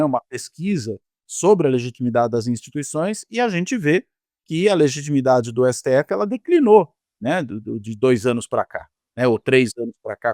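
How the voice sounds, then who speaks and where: A man with a Brazilian Portuguese accent giving measured, analytical political commentary, often tagging his points with quick questions. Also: medium pitch, a little mellow, no room sound, studio quality. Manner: measured, lecturing, frequent tag questions. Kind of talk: analytical panel discussion.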